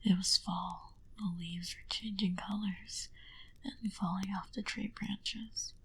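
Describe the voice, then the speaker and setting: A woman playing an aloof, condescending centuries-old vampire in an ASMR roleplay, speaking in a soft breathy whisper with slow, deliberate haughtiness. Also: medium pitch, steady tone, exaggerated voice, low-quality recording. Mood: wistful.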